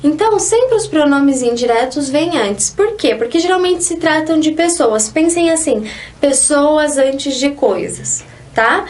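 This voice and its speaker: High-voiced woman teaching Spanish. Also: lively intonation, darkish tone. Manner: explanatory, slow, stresses example sentences. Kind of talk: online language lesson.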